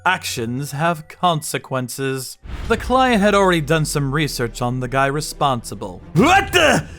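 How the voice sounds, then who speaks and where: A man narrates a dark manga dub with grim deliberation. His pace is slow and his tone bright and forceful, over soft background music. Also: medium pitch, animated. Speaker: narrator and lead character, a torture sommelier. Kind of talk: scripted dramatic first-person narration for manga dub.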